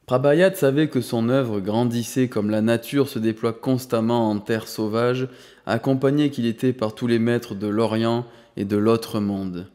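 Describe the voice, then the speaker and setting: Un homme qui lit un roman en narration posée et mesurée. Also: male voice, mid-range voice, steady tone, unhurried, mellow. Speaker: audiobook narrator. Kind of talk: scripted narration. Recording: long hall reverb.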